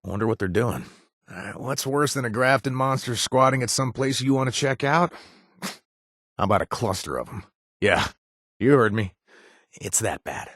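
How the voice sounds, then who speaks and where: A wry, punning wasteland broker. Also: male voice, medium pitch, lively intonation, moderate pace, pauses often, a bit bright, dry recording, clean studio sound. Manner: laid-back, punning, hesitant with fillers. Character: wry male wasteland bounty broker, middle-aged. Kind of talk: video game voice lines.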